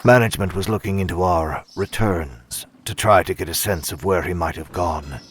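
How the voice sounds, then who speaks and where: Male actor as somber horror-drama narrator, very low voice, polite, measured, faint background noise. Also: lightly acted. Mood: grave, measured. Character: composed, somber male caretaker doing grim duty. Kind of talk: first-person narration in audio horror drama.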